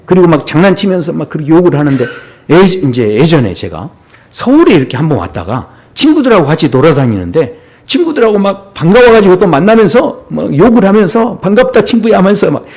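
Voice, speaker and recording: A male pastor delivering a Sunday sermon with a lively, swinging pitch and a voice that sits a little high for a man. He talks conversationally and with humor, often pausing for short asides to the congregation. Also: slightly rough.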